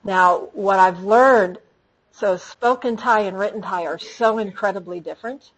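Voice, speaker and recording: A woman speaking to an audience in a conversational talk, answering questions, lively and full of restarts. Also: medium pitch, measured pace, husky, low-quality recording. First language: English. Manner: animated, frequent restarts. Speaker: speaker training storytellers.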